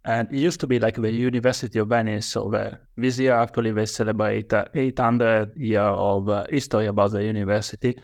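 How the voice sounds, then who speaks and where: A man's voice: on the low side, steady tone, fairly quick, hardly any pauses, darkish tone, no echo. Italian man with a hesitant accent. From Italy. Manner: hesitant, many fillers and restarts. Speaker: guest author. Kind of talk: podcast interview.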